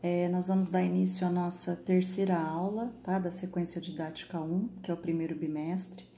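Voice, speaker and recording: A woman's voice: on the low side, fairly even intonation, normal speed, mellow. A woman with a Brazilian Portuguese accent teaching a recorded online English class, patient and checking in often with her students. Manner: patient, repeats "tá?" and "tá bom?" to check in. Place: home with computer. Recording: echoey room, faint background noise.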